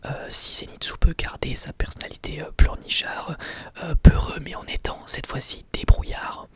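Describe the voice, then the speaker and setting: A man whispering a casual ASMR review, soft and hesitant, with many small pauses and fillers. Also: no room sound.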